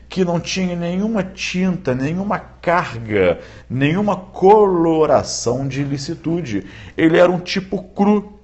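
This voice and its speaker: A man giving a live-streamed law lecture, often checking in with viewers and repeating key points slowly for emphasis. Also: on the high side, a little mellow. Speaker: law teacher.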